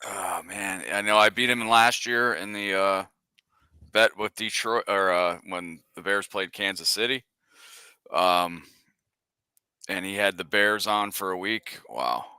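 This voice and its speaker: A man's voice: sits low, unhurried, bright, forceful tone, clean tone, no echo, studio quality. A man co-hosting a casual sports chat, joking bluntly and swearing now and then. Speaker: podcast co-host.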